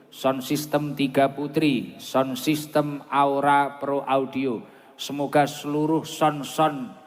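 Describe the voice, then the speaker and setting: A man with a Javanese accent preaching informally over a PA at a large gathering, chatting and bantering with the crowd as he repeats phrases. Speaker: Muslim preacher. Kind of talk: informal sermon with asides to the crowd. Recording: long booming reverb of an outdoor PA.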